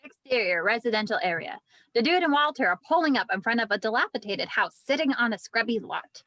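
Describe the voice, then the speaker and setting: A woman's voice: on the high side, expressive, brisk, sharp tone, dry recording. A woman reading screenplay stage directions as a scripted narrator.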